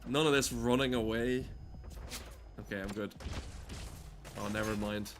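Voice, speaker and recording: A man's voice: fairly low pitch, fairly even intonation, a little slow. Sweary man gaming over noisy background. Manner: sweary, joking, muttering to himself. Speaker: gaming video commentator. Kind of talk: casual gameplay commentary. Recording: noisy background of game sounds. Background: video game ambience.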